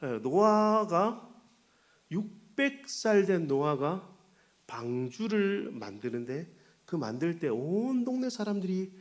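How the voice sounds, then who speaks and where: A man's voice: high voice, very animated, slow pace. A man, a pastor, giving a humorous sermon to Sunday school teachers, telling stories with playful asides to the audience.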